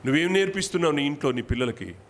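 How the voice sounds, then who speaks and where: A man's voice: a little high, lively intonation, racing. A man preaching a sermon as pastor, firing repeated rhetorical questions at his congregation. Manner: repeats phrases for emphasis. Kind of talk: Telugu church sermon.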